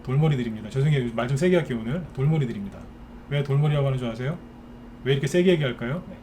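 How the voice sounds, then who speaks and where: A man's voice: medium pitch, animated, very fast, warm tone, a little hiss or hum. A man giving a live stock market lecture, ranting bluntly and firing rhetorical questions at his viewers.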